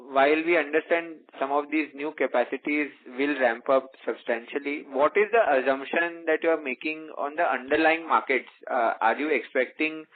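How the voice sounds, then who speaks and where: A man asking questions as a financial analyst on an earnings call, politely and with hesitant phrasing. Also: mid-range voice. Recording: tinny narrowband phone line.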